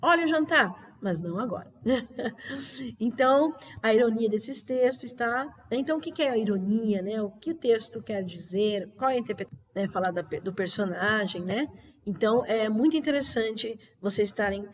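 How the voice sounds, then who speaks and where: A woman's voice: fairly high pitch, moderate pace, darkish tone. A woman walks teachers through exam examples in an online training session. She is middle-aged and talks in a loose, chatty way. She tags most phrases with little fillers and restarts often.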